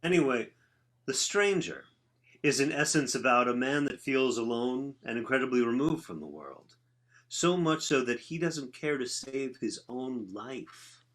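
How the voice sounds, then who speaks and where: A man's voice: mid-range voice, lively intonation, measured pace, fairly bright tone. A man playing an earnest, bookish rock musician who explains ideas in a conversational play reading. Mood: matter-of-fact. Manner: explanatory, intellectual. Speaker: actor in a staged reading.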